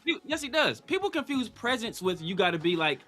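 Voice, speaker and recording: A man's voice: high-pitched, very animated, a little fast, bright, forceful tone. A man hosting a casual sports talk show, arguing his points emphatically and pushing back on his co-host. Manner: emphatic, argumentative, talks over co-host. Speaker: podcast host.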